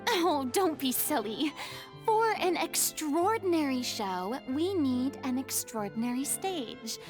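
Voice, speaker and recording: A woman's voice: high voice, lively intonation, slow. A woman playing a confident, theatrical young stage veteran in a video game, with grandiose delivery. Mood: breezy, imperious. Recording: game audio under music. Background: game music.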